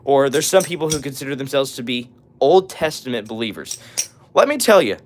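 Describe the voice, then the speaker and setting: A raspy young man hosting a live stream, reading viewer messages aloud and answering them in casual talk with lots of "all right" and "uh". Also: mid-range voice, animated, brisk, slight background noise. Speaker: livestream host.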